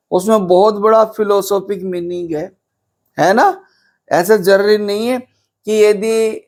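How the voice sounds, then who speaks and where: High-voiced, slow-paced Indian male teacher. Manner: explains step by step, asks and answers his own questions, calls students "children"; slows right down on English phrases, mixing Hindi and English. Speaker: English teacher. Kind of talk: classroom lecture on a poem.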